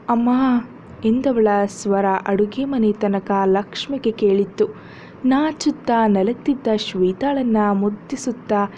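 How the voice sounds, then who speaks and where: A woman narrating a serialized romance story in a steady, dramatic storytelling manner, on a dull lo-fi recording with faint hiss. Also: a little high.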